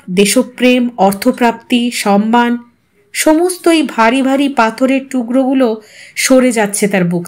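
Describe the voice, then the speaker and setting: A woman storyteller reading a scripted literary audio story expressively. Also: on the high side. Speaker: storyteller, channel narrator.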